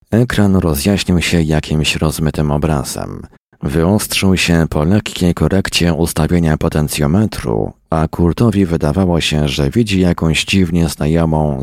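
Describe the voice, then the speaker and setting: Very deep, slow male narrator. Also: gravelly, dry recording, clean studio sound. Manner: steady, even storytelling. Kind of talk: audiobook reading.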